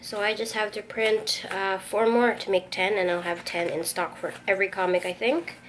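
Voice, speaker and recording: Talking at a normal speed in a medium-pitched, steady, fairly bright voice, a young woman with a slight Filipino accent vlogs from her home art studio. She chats casually and thinks out loud while sorting through her stock, with noticeable room noise around her.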